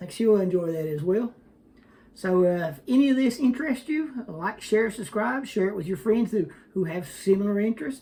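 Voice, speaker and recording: A man's loud, high voice with lively intonation against noticeable background noise. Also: moderate pace. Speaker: podcast co-host. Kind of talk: casual chat.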